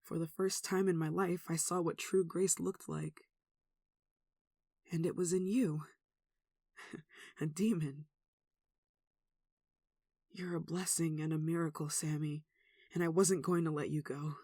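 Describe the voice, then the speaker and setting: A performer playing a devout, tender human devoted to a demon in an ASMR roleplay, speaking softly and earnestly with emotion. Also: mid-range voice, steady tone, measured pace, pauses often, no room sound, studio quality. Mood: tender, admiring. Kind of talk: ASMR roleplay, one-sided dramatic dialogue.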